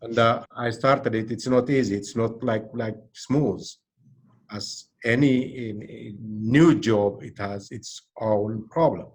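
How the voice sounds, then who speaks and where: A man's voice: medium pitch, takes it slowly, breathy edge. A middle-aged man from Ethiopia with an Ethiopian accent, speaking earnestly and carefully about his work as an insurance agent in his second language. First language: Amharic or another Ethiopian language.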